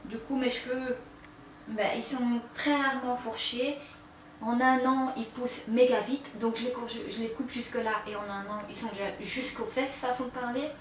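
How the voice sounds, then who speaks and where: A woman's voice: on the high side, steady tone, normal speed. A young woman vlogging from home, seated and chatting candidly to camera, hesitating often and repeating words. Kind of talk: casual confiding chat to camera. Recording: roomy, distant mic with faint room noise.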